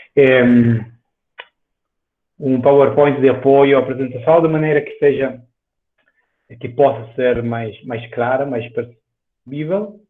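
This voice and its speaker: A man with a European Portuguese accent speaks very slowly at a medium pitch, with fairly even intonation and long, frequent pauses. His loudness swings widely. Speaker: philosophy professor. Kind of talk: lecture. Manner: halting, many hesitations.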